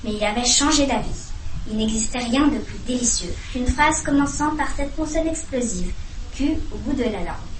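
A woman reading a children's storybook aloud with expressive, animated narration. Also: on the high side, moderate pace. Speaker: reader. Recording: roomy echo, distant mic, faint hum.

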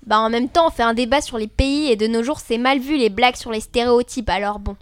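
A young woman co-hosting a scripted debate show, expressive and playfully indignant. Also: a little high, brisk, smooth, dry recording, studio quality. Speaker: co-host.

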